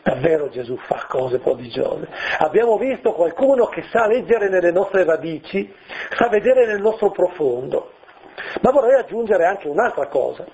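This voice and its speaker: A man's voice: sits high, expressive, normal speed, darkish tone, dull audio. A middle-aged man, a priest, preaching a sermon in a conversational way, asking his listeners questions and acting out little voices.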